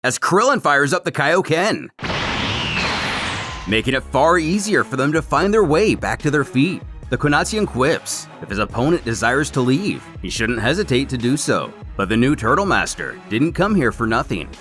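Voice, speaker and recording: A man's voice: medium pitch, big pitch swings, normal speed, a bit bright. A man narrating a scripted story recap in the manner of a dramatic retelling, with music behind him. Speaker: narrator of a fan comic series.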